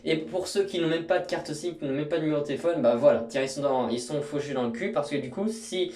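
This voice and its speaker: A man's voice: on the high side, fast talker, a little mellow. A young man walking through a screen tutorial in a casual, rambling way, full of fillers and restarts. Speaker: YouTuber. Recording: echoey room, mic at a distance.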